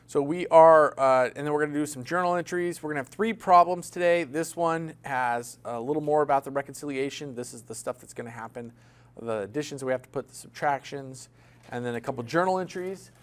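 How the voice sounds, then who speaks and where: A male instructor lectures an accounting class in a classroom, his voice sitting a little high for a man. He keeps it loose and chatty, cracking small jokes and tossing questions out to the students. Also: fairly quick, clean tone.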